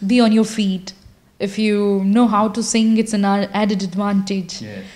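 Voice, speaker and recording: A woman is speaking. Her pace is fairly slow. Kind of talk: interview answer. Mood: friendly, animated. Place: office. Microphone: handheld.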